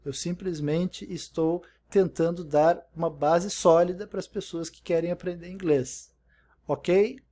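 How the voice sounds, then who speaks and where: Man teaching pronunciation, slightly high voice. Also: steady tone, a little slow, mellow. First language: Portuguese. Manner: explains step by step, repeats pronunciations, frequent "né?". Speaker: English teacher. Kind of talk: recorded online language lesson.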